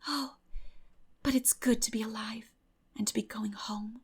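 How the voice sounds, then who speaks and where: A woman plays an excitable orphan girl from a storybook, high in pitch. She gushes earnestly and dreamily, turning breathy and dramatic when carried away. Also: unhurried, heavily acted. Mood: joyful, breathless. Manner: gushing, dramatic, breathy in rapture.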